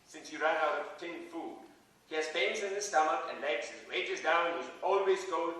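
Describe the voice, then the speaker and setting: A man's voice: fairly high pitch, normal speed, pushed and bright. A man playing an indignant, sarcastic friend, speaking with biting emphasis in a staged play reading. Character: Alfred, indignant, sarcastic male friend scolding a mathematician. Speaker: actor in a dramatised play reading. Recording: very echoey hall, distant microphone.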